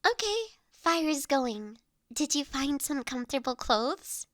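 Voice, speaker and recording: A woman playing a gentle, affectionate young mistress in an intimate roleplay audio, speaking softly, reassuringly and a little hesitantly to her automaton companion, sometimes breathily. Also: high voice, lively intonation, slow, dry recording, studio quality, heavily acted. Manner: tender, reassuring, hesitant, drifting into breathy whispers.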